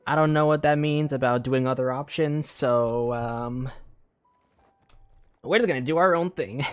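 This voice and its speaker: A streamer giving casual playthrough commentary, reacting in an excitable, gushing way. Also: mid-range voice, a little slow, clean tone, dry recording.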